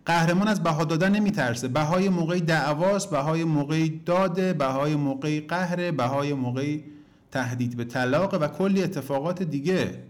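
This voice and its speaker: A man teaching a relationship course to his students, talking to them directly, telling anecdotes and pushing his points with big rises and falls in pitch. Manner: emphatic, swings pitch up and down for emphasis; addresses listeners directly as "kids".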